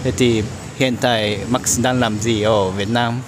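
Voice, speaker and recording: A man's voice: mid-range voice, fairly even intonation, a little slow. A young man chatting casually as an interviewer, often echoing and confirming what he is told. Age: young adult. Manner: echoes and confirms the guest's answers. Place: open-air restaurant or cafe. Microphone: handheld small mic with windscreen, shared. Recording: noisy outdoor ambience, traffic and hum.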